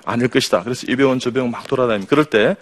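A man's voice: mid-range voice, rapid-fire. A man who is a surgeon and professor, giving a humorous health talk to an audience, reeling off rhythmic word lists and coaxing reactions from the crowd. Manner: jokey, rhythmic word lists, quotes patients in their voices.

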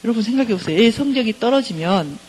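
A woman's voice: a little high, animated, fast talker, darkish tone, husky, poor audio. A middle-aged woman professor giving a counseling lecture, engaging her listeners by keeping on asking them questions.

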